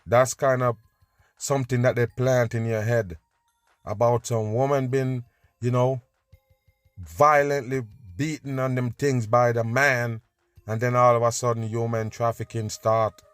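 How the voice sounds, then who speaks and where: A man's voice: medium pitch, flat delivery, a little slow, clear, resonant tone, no room sound. A man hosts a reaction show and talks back at the clips with emphatic scorn, in a mid-range voice. His voice sounds dry and close, with faint music under it. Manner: emphatic, scornful, repeats "pay attention". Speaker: host reacting to video clips. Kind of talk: reaction commentary.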